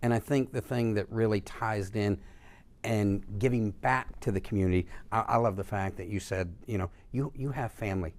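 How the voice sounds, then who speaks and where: Very deep-voiced male talk show host. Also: a little mellow. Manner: casual, halting questions with "uh" and restarts. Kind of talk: interview questions. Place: studio.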